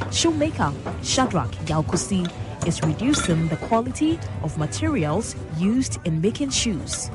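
A woman with a Ghanaian accent narrating a scripted radio news report as the reporter. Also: mid-range voice. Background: music under the voice.

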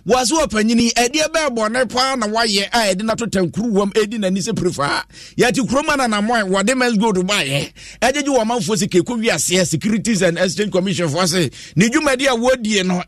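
A man's voice: sits high, a bit bright, dry recording, studio quality. A Ghanaian man presenting the news on radio in a rhythmic, sing-song way. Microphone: studio microphone.

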